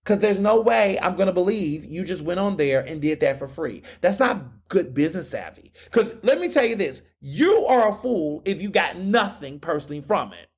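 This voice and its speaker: A man's voice: sits high, lively intonation, moderate pace, hardly any pauses, husky. A young man from Houston hosting his podcast, ranting in a fiery, sarcastic monologue full of rhetorical questions. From Houston, Texas. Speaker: podcast host. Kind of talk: opinion monologue.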